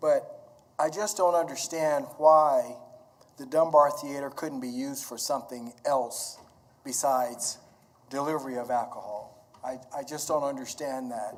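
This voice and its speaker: A man talks at a fairly slow pace in an ordinary speaking voice. His fairly high pitch varies in an ordinary way, while his loudness swings widely. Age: 60s. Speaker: resident speaking at public hearing. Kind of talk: public comment at hearing. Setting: public hearing meeting.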